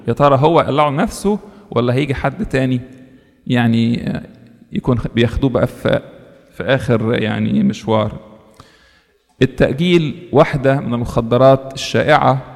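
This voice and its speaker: A man's voice: mid-range voice, in a large hall. A man with an Egyptian accent preaching a sermon, telling stories and acting out the characters' dialogue. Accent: Egyptian Arabic. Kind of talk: sermon storytelling.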